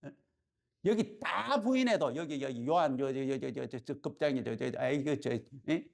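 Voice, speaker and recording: A male pastor preaches with a lively, storytelling style and keeps tossing questions back to his listeners. His voice has a rough, gravelly texture, and his pitch rises and falls a great deal. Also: normal speed. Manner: lively storytelling, constant "예?" and "그죠?" prompts to the congregation. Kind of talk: sermon.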